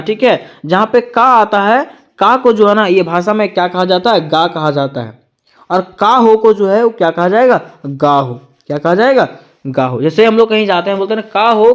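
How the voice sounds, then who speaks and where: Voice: medium pitch, highs cut off. A teacher giving an exam-prep lecture who reads from notes, explains each point in plain words, and keeps turning it into a question for the listeners before answering it.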